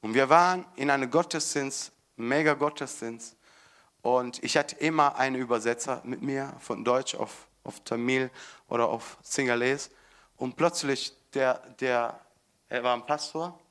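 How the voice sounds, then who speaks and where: Slow, bright-voiced fervent male preacher. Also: mid-range voice. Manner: fervent, emphatic, swings between loud bursts and quiet storytelling; stumbling restarts and repeated words. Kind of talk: sermon.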